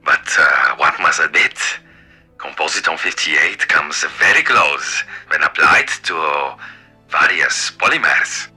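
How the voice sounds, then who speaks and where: An actor playing an eccentric, older German wartime scientist in a video game, excitable and arrogant, raspy and halting, with a German accent. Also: male voice, rumbling low, soft background music, full character voice. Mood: reminiscing. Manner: halting, theatrical, with abrupt outbursts. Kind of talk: video game character acting.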